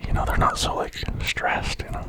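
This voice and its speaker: A man speaking in a breathy whisper in a rambling ASMR monologue, halting mid-thought and repeating words. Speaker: ASMR creator.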